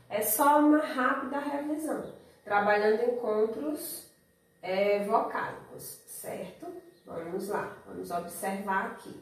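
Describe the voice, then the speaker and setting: A Brazilian woman teaching a remote lesson to young children, patiently explaining step by step and often checking in with "certo?". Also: fairly high pitch. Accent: Brazilian Portuguese. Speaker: primary school teacher. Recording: echoey room, voice from a distance.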